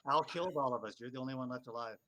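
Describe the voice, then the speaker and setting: A man's voice: medium pitch, very fast, noisy background. A man playing a tabletop role-playing game, chatting with laughing asides. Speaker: player. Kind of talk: casual tabletop game chat.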